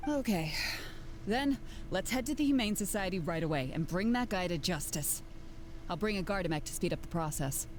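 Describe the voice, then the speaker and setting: A woman's voice: fairly low pitch, expressive, a little fast, a little mellow, natural voice. A woman voicing a firm, no-nonsense investigator who gives orders and presses a suspect. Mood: determined. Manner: firm, commanding. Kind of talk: game voice acting.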